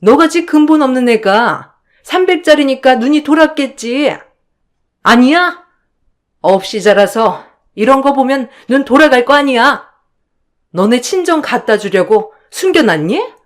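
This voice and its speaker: A woman's voice: high-pitched, expressive, unhurried, voice pushed up. A woman voicing a furious, bullying elder sister-in-law who shrieks accusations and insults.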